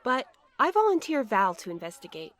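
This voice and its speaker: A woman's voice: fairly high pitch, huge pitch swings, a little fast, fairly bright tone. A woman playing an earnest, hopeful courier in an audio drama, polite and inquisitive. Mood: concerned.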